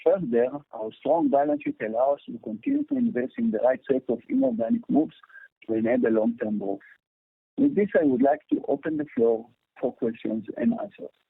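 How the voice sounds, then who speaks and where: A high-pitched man with an Indian accent reads a formal earnings presentation as a company executive, stumbling over some words. His pitch swoops wildly, his pace is brisk, and his voice is creaky with a breathy edge. The dry recording comes over a thin, phone-like conference line.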